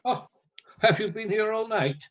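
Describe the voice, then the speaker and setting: Older Germanic professor, slightly high voice, grave, commanding, fatherly, theatrical radio drama. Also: a little slow, dull audio. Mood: urgent. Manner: stilted foreign phrasing, commanding yet fatherly.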